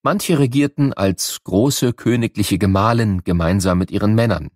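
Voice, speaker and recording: A man with a fairly low voice narrates an educational audio book for children. He explains things clearly, in a storytelling manner, as if walking young listeners through a subject. The recording is dry and close, with little room sound. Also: moderate pace, darkish tone, no room sound.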